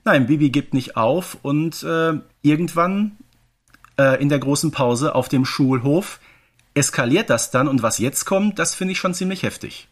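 Guy podcast co-host, casual analysis chat, voice a bit on the high side. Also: measured pace.

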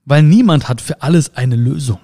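At a moderate pace and in a mid-range voice, a man gives a casual motivational talk aimed squarely at the listener. Rhetorical questions and playful sound words fill his animated delivery.

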